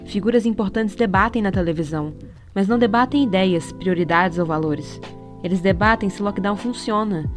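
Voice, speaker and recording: Very fast-talking Brazilian woman narrating. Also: medium pitch. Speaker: podcast narrator. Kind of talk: scripted essay narration. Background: background music.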